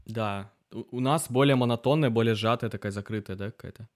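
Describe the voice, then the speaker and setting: Low-voiced male interviewer, curious. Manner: curious, asks long questions, drawn-out hesitation sounds. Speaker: host. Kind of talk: conversational interview.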